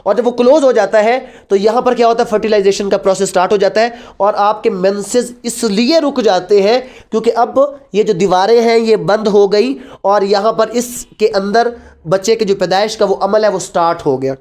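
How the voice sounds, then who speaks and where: A man's voice: high voice, normal speed, a little mellow. A man with a Pakistani accent lecturing as a law teacher, explaining step by step and often answering his own questions. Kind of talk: lecture mixing Urdu and English.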